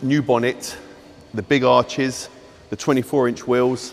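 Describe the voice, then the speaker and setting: Music plays in the background as a man speaks with a British accent. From Greek Cypriot background, UK. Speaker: car customiser, business owner. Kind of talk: casual interview, garage tour. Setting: in a workshop.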